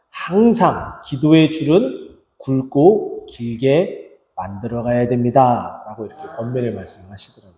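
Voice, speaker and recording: A man's voice carries audible echo from the room. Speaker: pastor. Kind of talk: sermon. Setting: church. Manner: halting.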